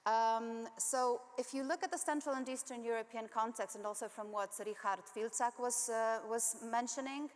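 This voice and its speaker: A woman's voice: a little high, steady tone, normal speed, hardly any pauses. A woman from Zambia giving a conference talk as a climate campaigner, speaking hesitantly with many ums and uhs. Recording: long reverb of a large hall.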